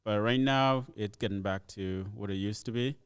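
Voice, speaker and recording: Laid-back man, low voice. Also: moderate pace, clear, resonant tone, dry recording, clean studio sound. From Ethiopia. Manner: easygoing storyteller, laughs often. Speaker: comedian guest. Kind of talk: casual podcast chat.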